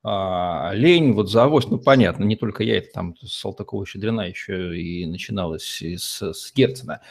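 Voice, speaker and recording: A man's voice: low-pitched, moderate pace, vocal fry. A man interviewing a guest, asking long thoughtful questions. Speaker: interviewer, host. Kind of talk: interview conversation.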